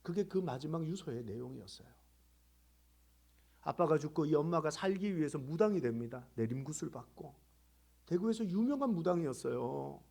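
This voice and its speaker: A middle-aged male pastor preaching a sermon in a church, telling a story that swings between loud emphasis and hushed quiet. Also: on the high side, expressive, moderate pace, vocal fry, breathy edge. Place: church sanctuary.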